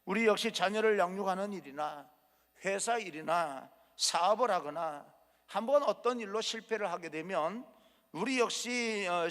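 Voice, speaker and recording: A man's voice: high-pitched, a bit bright. A male pastor preaching a sermon in a church, earnest and encouraging, acting out quotes as he goes. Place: church sanctuary. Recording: long hall reverb.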